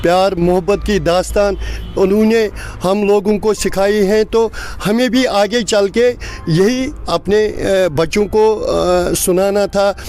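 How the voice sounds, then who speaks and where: High-pitched Kashmiri man explaining local lore. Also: steady tone, slow pace, a little mellow, faint music behind. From Kashmir, India. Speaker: local interviewee. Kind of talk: informal storytelling in an interview. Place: outdoors at a local site. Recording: clear background noise outdoors, passing vehicles.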